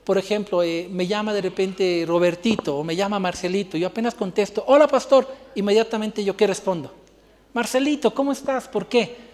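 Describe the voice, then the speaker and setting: Pastor preaching in a hall. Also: male voice, sits high, fairly quick. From Bolivia. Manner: animated storytelling, acting out dialogue. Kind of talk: sermon.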